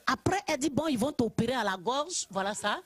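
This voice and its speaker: Ivorian woman, husky and higher-pitched, telling a church testimony with lively humor. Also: a little fast. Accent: Ivorian French. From Côte d'Ivoire. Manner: lively storytelling, often laughing. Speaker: church member giving testimony.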